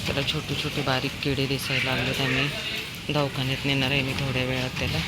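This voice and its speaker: A woman's voice: extremely low pitch, level tone, a little fast. A woman narrating a casual vlog outdoors in the rain while walking her dog and chatting to viewers. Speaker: dog owner vlogger. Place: outdoors on a rainy street. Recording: noisy outdoor street recording. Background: street noise with passing vehicles.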